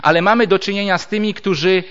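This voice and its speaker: A man preaching a Bible teaching sermon. He explains step by step and reads scripture aloud with measured pauses. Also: high voice, steady tone, a bit bright. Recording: dull lo-fi recording.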